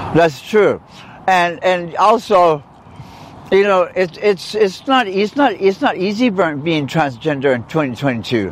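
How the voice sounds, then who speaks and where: A man speaks very slowly in a high voice. Noticeable background noise can be heard. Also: lively intonation. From South Texas. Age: 60s. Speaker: transgender body modification enthusiast. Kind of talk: interview. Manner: halting.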